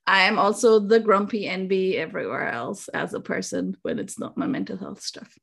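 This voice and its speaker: A woman's voice: mid-range voice, animated, moderate pace, vocal fry, fairly bright tone, breathy edge. A woman, chatting casually as a podcast guest and laughing often. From Austria. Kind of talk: casual chat.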